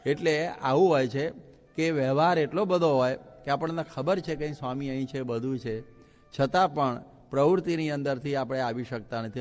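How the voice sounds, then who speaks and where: Man giving a storytelling sermon in a hall. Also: medium pitch. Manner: animated storyteller who acts out the lines of people in his stories. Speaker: Hindu monk giving a religious discourse. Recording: long hall reverb with faint music.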